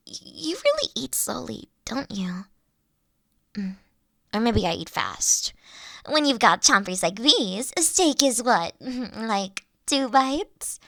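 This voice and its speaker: A woman acts out an adorkable young female dragon in an audio roleplay. The voice is high and unhurried, recorded close and dry. She is nerdy, eager and anxious, rambling away and tripping over words when flustered. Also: a bit bright, dry recording, heavily acted. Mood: chatty. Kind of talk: roleplay audio drama addressed to the listener.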